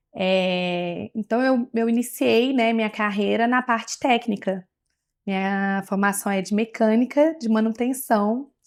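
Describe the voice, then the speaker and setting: A woman speaks fairly slowly in a Minas Gerais accent with a fairly high pitch. The recording is very clean, with a silent background. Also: ordinary pitch variation. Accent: Minas Gerais (mineiro). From interior of Bahia, Brazil, later Minas Gerais. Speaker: technology company executive. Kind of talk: interview. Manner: halting, many fillers and restarts.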